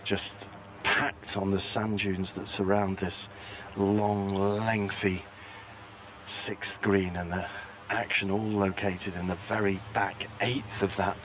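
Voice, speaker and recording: Deep-voiced male golf commentator, bright tone. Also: flat delivery, slow pace. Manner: descriptive, unfolding play-by-play in short phrases. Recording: faint background noise and hum.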